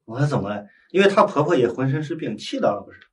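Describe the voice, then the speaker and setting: A man preaching as a Catholic priest, telling a story with lively acted-out dialogue and frequent tag questions to his listeners. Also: mid-range voice, quick pace. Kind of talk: storytelling sermon. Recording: voice heard from a distance.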